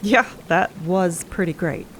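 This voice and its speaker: An actress playing a fond, reassuring wife in an audio drama, speaking gently and conversationally. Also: female voice, lowish voice, unhurried, slight background noise. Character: Mickey, fond, reassuring woman, adventurous spouse. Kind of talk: audio drama acting and narration.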